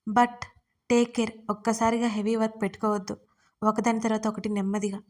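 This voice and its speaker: A woman voicing a caring young husband who speaks calmly and teases gently. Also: sits high, brisk, lightly acted. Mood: caring, teasing.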